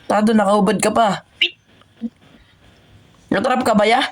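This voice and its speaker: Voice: medium pitch, steady tone, unhurried. A young speaker jokingly narrating a game role-play in casual chat, teasing a friend throughout. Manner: joking, teasing banter, calling others "boy". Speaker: gamer doing role-play commentary.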